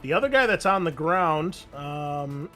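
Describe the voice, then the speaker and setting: A man's voice: a little high, expressive, a little slow, a bit bright, faint music behind. A man narrating a tabletop roleplaying game as game master, mixing descriptive scene-setting with informal rules talk.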